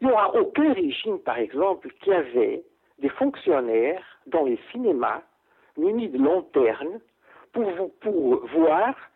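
A man's high pitch with very wide pitch swings at a very slow pace. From Portugal. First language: Portuguese (speaking French). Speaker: author. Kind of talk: radio interview. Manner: halting.

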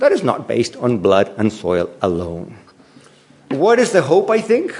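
A man with a Spanish accent is heard amid noticeable background noise and audible room echo. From Chile. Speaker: public policy dean, economist. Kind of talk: lecture. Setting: stage with audience.

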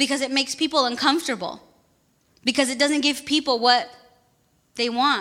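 A woman with a high-pitched, bright, sharp tone speaks in a raised, projected voice at a fairly quick pace, broken by long, frequent pauses. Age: 30s. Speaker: pastor. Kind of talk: sermon.

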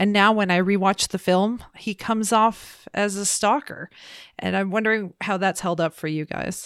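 A woman speaks with an unremarkable speaking voice at a medium pitch, her intonation fairly even and her pace moderate. The sound is dry and close with no echo, in a very clean recording with a silent background. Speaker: podcast host. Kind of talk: casual chat.

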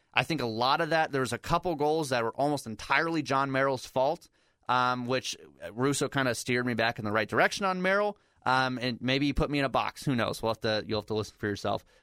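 A man with an American accent talks at a very fast pace in a bright, sharp tone, his pitch medium and its variation ordinary. The sound is dry and close with no echo, and the recording is very clean with a silent background. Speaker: sports podcast host. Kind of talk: casual sports talk.

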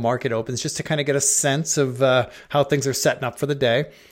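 A man talks at a very fast pace. His pitch is medium and his intonation fairly even. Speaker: podcast host. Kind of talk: casual interview chat. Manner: friendly, chatty.

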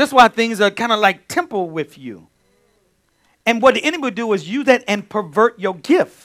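Loud and animated, a man speaks at a high pitch with lively intonation in a dry, close sound with no echo. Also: moderate pace. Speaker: pastor. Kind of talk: sermon. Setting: church with congregation.

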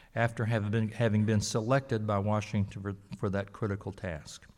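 A man with an American accent talks at a fairly quick pace in a normal speaking voice, fairly low in pitch with fairly even intonation. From US South. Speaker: retired judge giving a lecture. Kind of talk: lecture. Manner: formal.

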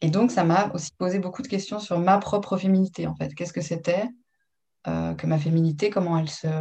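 Her voice is somewhat breathy and fairly low for a woman. Pitch varies in an ordinary way. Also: fairly quick pace. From Geneva, Switzerland. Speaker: stage actress. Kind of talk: casual interview chat.

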